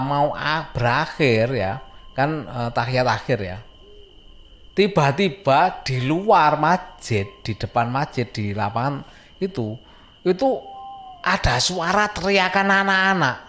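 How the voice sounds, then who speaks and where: Rambling man telling a story. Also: fairly high pitch. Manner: rambling, many fillers and self-corrections. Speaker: storyteller recounting a childhood event. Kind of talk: casual spoken horror storytelling.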